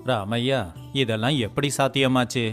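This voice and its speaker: A man's voice: medium pitch, steady tone, moderate pace, fairly bright tone. A man voicing several village men in turn in a storybook dialogue. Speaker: voice actor for story characters. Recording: faint music behind.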